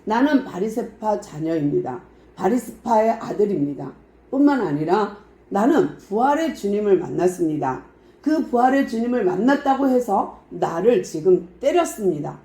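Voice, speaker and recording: A defiant man on trial , voiced by a woman preacher, states his case in firm declarations. The tone is dark and mellow, with lively pitch, in an echoey room. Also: normal speed. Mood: declaring. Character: the apostle Paul, a bold, defiant older man on trial.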